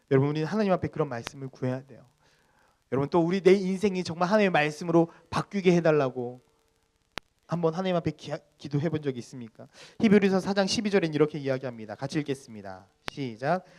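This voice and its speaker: An animated man preaching to a young congregation, his pitch a touch higher than most men's. He fires questions at the listeners and leads them through group readings. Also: fast talker. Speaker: pastor. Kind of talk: youth sermon.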